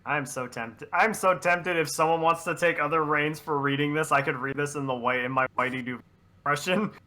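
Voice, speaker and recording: A young man co-hosting a comic reading, riffing and joking in an animated, mock-indignant way. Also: fairly high pitch, a little fast. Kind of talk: comic banter and dramatic reading.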